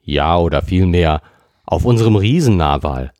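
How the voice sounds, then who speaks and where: A man's voice: sits low, lively intonation, moderate pace, darkish tone, no room sound. A man reading an audiobook, voicing a blunt Canadian harpooner in a plain, matter-of-fact way.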